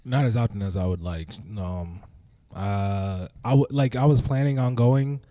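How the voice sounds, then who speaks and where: Hesitant low-voiced man, dry sound. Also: measured pace, dark tone, dry recording. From Tanzania. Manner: hesitant, many fillers. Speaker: podcast guest. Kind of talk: casual chat.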